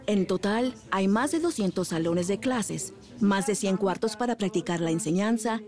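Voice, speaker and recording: A woman reading scripted news narration in a clear, factual way. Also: mid-range voice, moderate pace, a crowd in the background.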